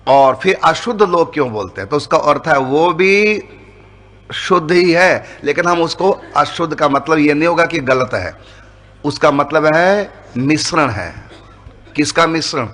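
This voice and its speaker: A man speaking slowly and patiently in a spiritual discourse. He teaches step by step, asking his listeners questions and then answering them himself. His voice sits a little high for a man. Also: animated, fairly bright tone. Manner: slow, patient explaining with rhetorical questions. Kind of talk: devotional discourse explaining grammar.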